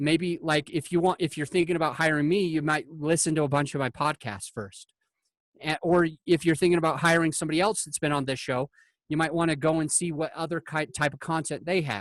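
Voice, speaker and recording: Speaking at a fairly quick pace with an American accent, a man with a fairly high voice keeps his intonation fairly even, the sound dry and close with no echo in a very clean recording with a silent background. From Utah. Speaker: real estate investor and coach. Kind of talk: interview. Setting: podcast recording with his kids present. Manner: soft-spoken.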